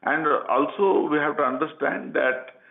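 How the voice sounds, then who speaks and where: A man with an Indian accent, speaking as a company executive answering questions on a conference call, haltingly and with repeated phrases. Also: fairly high pitch, gravelly. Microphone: telephone conference line. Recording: muffled conference phone line.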